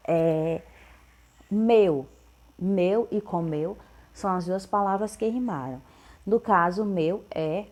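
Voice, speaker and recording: A woman's voice: fairly low pitch, darkish tone. A woman teacher, going through workbook answers patiently and repeating each one. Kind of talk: correcting workbook exercises.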